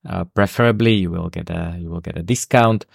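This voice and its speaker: A man with a Slovak accent, a native Slovak speaker, hosting a podcast and introducing an episode with unhurried, halting speech full of fillers. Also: deep voice, vocal fry, husky, no echo, studio quality. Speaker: podcast host.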